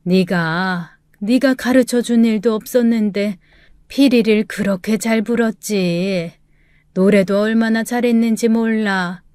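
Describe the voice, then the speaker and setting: Dying grandmother, gentle and frail, slow halting speech; a woman acts it. Dry booth sound. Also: mid-range voice, smooth, no echo, close to an everyday voice.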